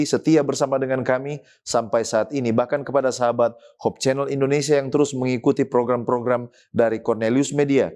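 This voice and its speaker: A man's voice: mid-range voice, a little mellow. A man, a pastor, hosting a church discussion program, thanking his guest and signing off in a formal, courteous way. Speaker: host, pastor.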